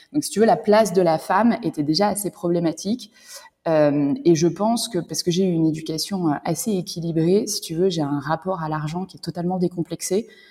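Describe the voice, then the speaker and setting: Her tone dark and mellow, a woman talks at a fairly quick pace with ordinary pitch variation. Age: 30s. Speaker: yoga teacher and former lawyer. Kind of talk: interview conversation. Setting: studio. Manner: hesitant, many fillers.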